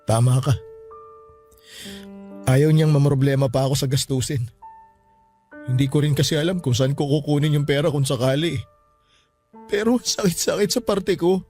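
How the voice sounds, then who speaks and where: A man's voice: a little high, moderate pace, pauses often, lightly acted. An actor playing a grieving young man who is frightened by his mother's ghost, with emotional radio-drama delivery. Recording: soft music underneath.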